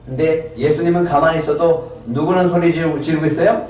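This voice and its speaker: A man's voice: a little high, fairly even intonation, fairly quick, a little mellow. A male pastor preaching a sermon in a church, emphatic and full of rhetorical questions to the congregation. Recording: echoey hall from far off.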